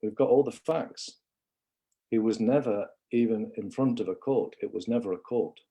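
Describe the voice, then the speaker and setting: A man's voice: fairly low pitch, normal speed, mellow, slightly rough. A man from England giving a rambling, impassioned livestream monologue, often calling viewers "guys".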